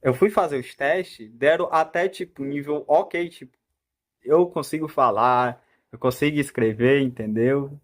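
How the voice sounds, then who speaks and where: This talkative man in his twenties, a vlogger with a Brazilian Portuguese accent, speaks a little slowly in a mid-range voice. He rambles casually, often cutting himself off to restart and laughing a lot.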